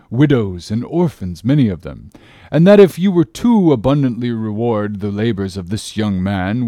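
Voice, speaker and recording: A man voicing a stingy, pious old shipowner in an audiobook, solemn and sepulchral, with steady, mumbling scriptural speech. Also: no room sound, studio quality, close to an everyday voice. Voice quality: sepulchral, low and hushed. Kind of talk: audiobook character voice.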